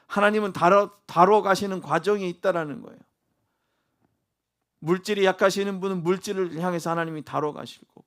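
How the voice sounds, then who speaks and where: A male pastor delivers a sermon in a notably high voice. He keeps asking his listeners questions to draw answers from them. His delivery moves between loud, emphatic lines and soft, almost whispered ones. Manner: preaching with call-and-response questions to the congregation.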